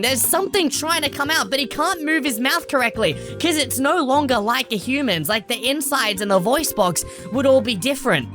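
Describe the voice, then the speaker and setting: Female game-lore host, highish voice, very lively intonation, musing and explanatory, music underneath. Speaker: video host.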